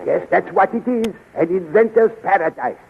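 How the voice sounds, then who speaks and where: An actor playing an eager, precise, deferential scientist-inventor in a 1930s radio serial, speaking with earnest emphasis. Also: male voice, sits high, expressive, moderate pace, gravelly, slight background noise. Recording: muffled, tinny 1930s radio recording.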